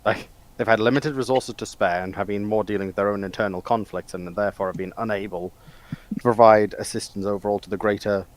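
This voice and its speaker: A man's voice: fairly low pitch, fairly even intonation, fast talker, rough recording. A man on a discussion panel, thinking aloud casually and reworking his phrases.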